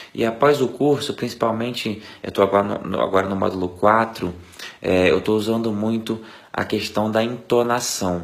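Speaking with fairly even intonation, a man keeps a medium pitch and a moderate pace. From Brazil, Rio de Janeiro state (Nova Friburgo). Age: 30s. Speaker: bank employee, course participant. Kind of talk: testimony. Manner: halting, many fillers.

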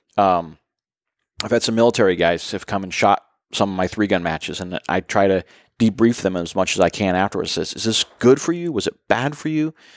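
Talking at a fairly quick pace, a man with an unremarkable speaking voice and fairly low pitch uses lively intonation, the sound dry and close with no echo. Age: 50s. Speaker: engineer and shooting gear maker. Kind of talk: interview.

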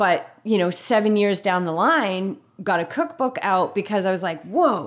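An ordinary speaking voice from a woman with an American accent, lively in intonation, at a moderate pace. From Cape Cod, Massachusetts. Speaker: podcast host. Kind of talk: casual interview; scripted narration.

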